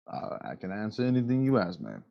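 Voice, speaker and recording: A man acts out a young male werewolf for a tabletop game, his voice dropped low. He speaks in polite, halting, gentlemanly phrases, guarded and formal. The sound is a little dull. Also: wildly swooping pitch, creaky, exaggerated voice. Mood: courtly, guarded.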